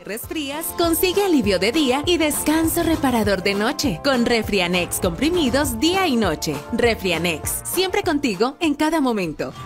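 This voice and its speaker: A woman's voice: high voice, big pitch swings, moderate pace, few pauses. A woman announcer reading a polished, upbeat commercial voice-over. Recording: music bed behind.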